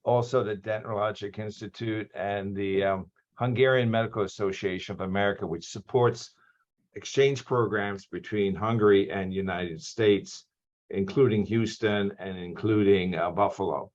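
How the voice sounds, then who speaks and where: A man's voice: on the low side, steady tone, moderate pace, lo-fi sound. A man from Australia hosting a lecture series, giving a formal introduction of a guest with frequent ums and restarts over a video call. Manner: hesitant, many ums and restarts.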